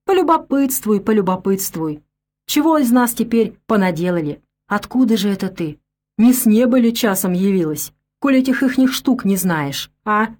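A woman's voice: medium pitch, expressive, moderate pace, darkish tone, natural voice. A woman reading an audiobook, voicing a wary, grumbling old village man with folksy speech. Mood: wry.

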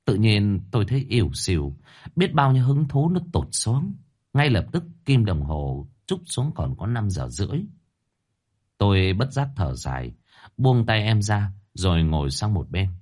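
A man reading a first-person story aloud with expressive, dramatic delivery. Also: on the low side, normal speed.

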